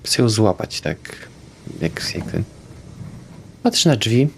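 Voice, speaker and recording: A man, a player in a tabletop roleplaying game, haltingly narrating his own moves. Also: on the low side, big pitch swings, vocal fry, a little hiss or hum.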